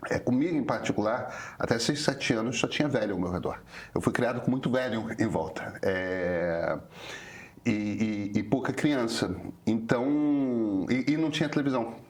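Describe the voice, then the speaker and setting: Man, carioca accent, fifties, chatty explanation, filler-heavy, relaxed. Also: medium pitch, normal speed. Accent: carioca (Rio de Janeiro). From Brazil, Rio de Janeiro. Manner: hesitant with many filler restarts, relaxed and opinionated. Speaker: journalist co-host. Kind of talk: casual conversational explanation.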